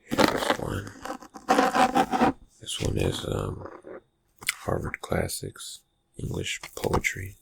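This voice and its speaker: A man playing a reclusive, slyly menacing vampire friend in an ASMR roleplay, murmuring haltingly in a raspy, breathy voice with dry suspicion. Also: very deep voice, big pitch swings, very noisy, heavily acted. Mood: soft, musing. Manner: hesitant, halting, laconic, dryly suspicious. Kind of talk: ASMR roleplay, soft-spoken character talk.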